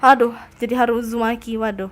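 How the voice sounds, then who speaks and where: This is a brisk, level-toned young woman with a high voice running commentary on a live game stream. Casual with her chat, she shrieks and squeals at jump scares and puts on a mock-tough voice to taunt enemies.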